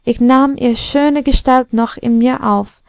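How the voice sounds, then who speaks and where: A woman's voice: high-pitched, fairly even intonation, takes it slowly, creaky, darkish tone, no room sound, full character voice. A woman voicing a haughty talking mirror in a storybook reading.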